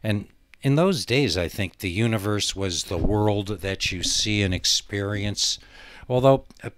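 A man hosting a podcast in a rambling, halting, musing solo monologue. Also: on the low side, slight background noise. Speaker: podcast host.

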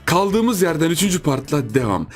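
A man hosting a gaming channel, giving lively gameplay commentary, repeating himself and yelping in surprise while chatting to his viewers. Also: a little high, normal speed. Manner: excitable, repeats phrases, shouts in surprise; chatty, addresses viewers as friends.

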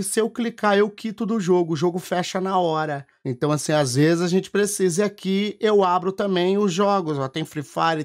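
A high-voiced Brazilian man walks viewers through his streaming setup. He talks casually and keeps pointing things out on screen. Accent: Brazilian Portuguese. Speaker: streamer and content creator. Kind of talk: casual tech demo.

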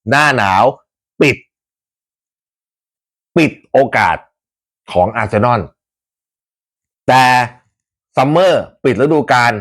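Chatty, slangy Thai football fan host. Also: male voice, medium pitch, takes it slowly, long pauses. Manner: chatty, animated, rough slang, laughs often. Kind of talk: casual football talk to viewers.

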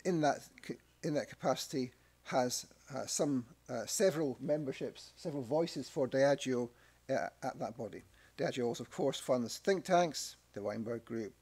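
A man's voice: mid-range voice, gravelly, a little mellow, slightly rough. A middle-aged man with a Scottish accent giving a conference presentation at a podium microphone, with dry asides and frequent restarts. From Scotland. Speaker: academic researcher presenting. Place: press club conference room.

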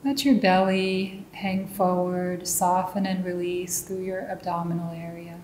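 A woman leading a guided meditation as a teacher, giving calm, gentle instructions. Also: a little slow. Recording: roomy echo, faint low rumbling noise.

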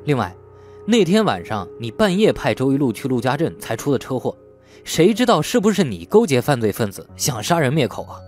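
A narrator doing an indignant, defiant young man, lively pitch. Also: brisk, soft background music, lightly acted. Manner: indignant, argumentative. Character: aggrieved, defiant young man, threatening and sarcastic.

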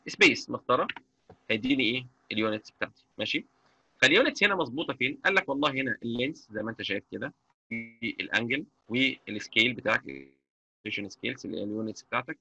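Fast, gravelly Egyptian instructor. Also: male voice, medium pitch, bright, forceful tone, dry recording. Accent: Egyptian Arabic. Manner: chatty, checks understanding constantly. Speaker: software instructor. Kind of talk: live online lecture. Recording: dull lo-fi mic.

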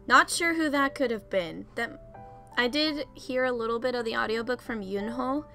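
Soft music plays as a young woman with a slightly high, creaky voice clicks through game menus in a let's play at normal speed. She chats and giggles, rambling and poking fun at herself.

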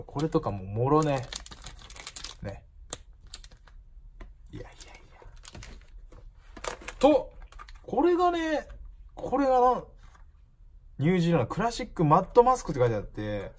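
A man's voice: mid-range voice, a little hiss or hum. A man chatting casually as he unboxes a gift parcel, musing aloud and reading out the labels as the shop owner and channel host.

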